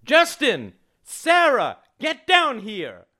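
A man's voice: mid-range voice, slow pace, a little mellow, dry recording, clean studio sound. A man voicing a furious, bitter wife who shrieks orders at her family in a dramatic story. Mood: commanding, exasperated. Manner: shrieking, commanding, breaking off.

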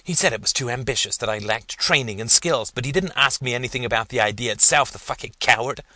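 A man's voice: medium pitch, lively intonation, normal speed, pushed and bright, no echo, voice pushed up. A man playing an earnest, insecure young male student who stammers and hesitates.

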